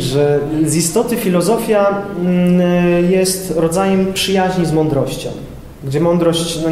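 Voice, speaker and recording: Echoey young man lecturing with many pauses. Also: on the high side, a little mellow. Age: young adult. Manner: hesitant, many filler sounds, explanatory. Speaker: student lecturer. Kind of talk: informal lecture to high school students. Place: classroom with projector screen, indoors. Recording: echoey room with long reverb, faint noise.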